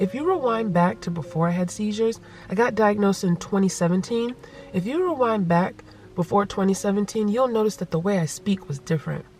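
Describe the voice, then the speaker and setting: Noticeable background noise under a woman's voice with ordinary pitch variation. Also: medium pitch for a woman, fairly quick pace. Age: 40s. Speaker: vlogger. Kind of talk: casual vlog monologue. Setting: in a car. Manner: animated, moves hands a lot; occasional stuttering and word-finding pauses.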